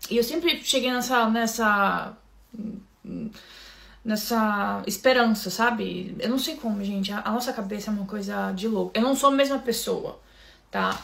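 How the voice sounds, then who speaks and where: A Brazilian woman with a Brazilian Portuguese accent recounts her own story to viewers. Her voice has a gravelly, fry-edged texture at a middle pitch. She speaks softly, haltingly, and keeps calling out to her listeners. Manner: soft, halting, often restarting, keeps addressing listeners. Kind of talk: personal storytelling to camera.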